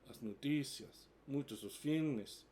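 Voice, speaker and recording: A man from New York, a native English speaker, mostly neutral American accent, talking casually in halting learner Portuguese and plain English. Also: mid-range voice, mellow, slight background noise. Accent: mild New York, mostly neutral American. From United States (New York). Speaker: vlogger. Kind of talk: casual bilingual vlog explaining.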